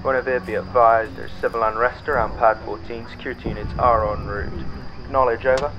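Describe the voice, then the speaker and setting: A man's voice: mid-range voice, fairly even intonation, a little fast. A man acting in an audio drama as a space traffic controller, giving formal, clipped instructions over a radio. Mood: businesslike. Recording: dull band-limited radio transmission.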